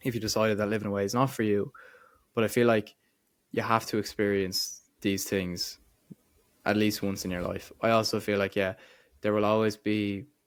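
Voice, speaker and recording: A man with an Irish accent talks at a moderate pace in a fairly low pitch, with monotone, flat intonation. He takes long, frequent pauses, and the recording is very clean, with a silent background. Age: 20s. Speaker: podcast co-host. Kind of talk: casual chat.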